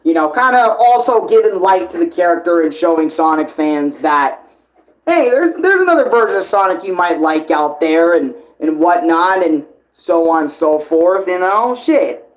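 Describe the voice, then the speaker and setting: A man's voice: high-pitched, animated, normal speed, low-quality recording. A young man giving casual fan commentary as an online creator, rambling informally with hesitations, digressions and swearing.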